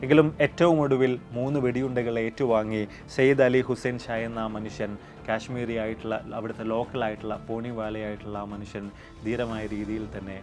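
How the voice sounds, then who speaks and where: A man hosting a video explainer, narrating in an earnest, measured way on a lapel mic, with his sentences sinking softer at the end. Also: fairly low pitch, level tone, over music. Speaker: YouTube explainer host. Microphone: wireless lapel mic.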